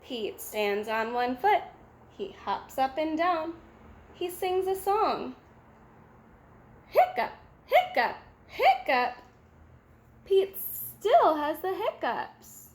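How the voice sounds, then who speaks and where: Woman narrator for a kids' read-aloud, high and lively, unhurried. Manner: sing-song, expressive storytelling. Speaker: storybook reader.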